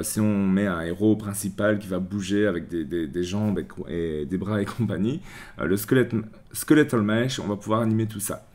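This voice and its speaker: Chatty French man explaining software. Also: fairly low pitch. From France. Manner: chatty, many fillers and restarts, walks through each click. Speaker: tutorial host. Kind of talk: screen-recorded software tutorial.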